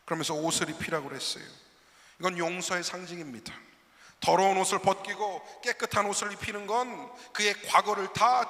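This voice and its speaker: High, piercing-toned man preaching. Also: pushed and bright, big-room sound. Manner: storytelling preaching, addressing the congregation directly. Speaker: pastor. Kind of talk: sermon. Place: church sanctuary.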